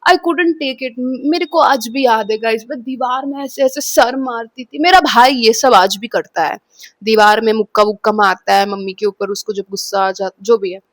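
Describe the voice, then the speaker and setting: A woman's voice: fairly high pitch, moderate pace, dry recording. A young woman vlogger telling an emotional personal story, mixing in English phrases, repeating words and acting out what others said. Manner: mixes Hindi with English phrases, acts out quotes; repeats words, addresses viewers as guys.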